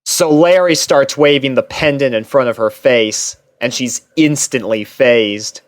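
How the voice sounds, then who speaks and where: A man reading fan fiction as a first-person narrator, expressive and theatrical. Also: medium pitch, unhurried, no room sound, studio quality.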